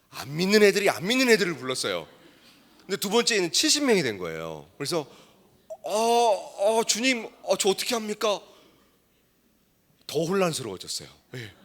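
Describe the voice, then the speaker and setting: Animated male preacher telling a story. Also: mid-range voice. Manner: storytelling with wide swings between hushed asides and loud exclaims. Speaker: pastor. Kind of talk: sermon.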